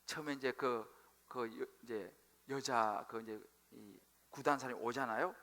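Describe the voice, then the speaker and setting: A male pastor preaching a sermon, telling the story with animated, acted-out quotes. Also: medium pitch, a little slow. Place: church sanctuary.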